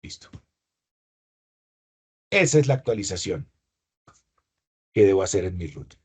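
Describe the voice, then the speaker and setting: A man's voice: deep voice, expressive, measured pace, breathy edge. A man with a Colombian accent giving a tax lesson, explaining step by step and asking rhetorical questions. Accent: Colombian Spanish. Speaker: tax instructor.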